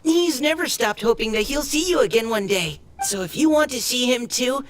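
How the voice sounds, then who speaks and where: A woman's voice: fairly high pitch, animated, normal speed, natural voice. A woman voicing an earnest, eager young male mapmaker who speaks sincerely and encouragingly in video game dialogue.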